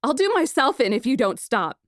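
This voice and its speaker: A woman playing a feisty, sarcastic young white mage in an audiobook, defiant, sharp-tongued and scornful. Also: sits high, sing-song, moderate pace, no room sound, clean studio sound, pitched above the performer's own voice. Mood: contemptuous. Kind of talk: audiobook dialogue acting.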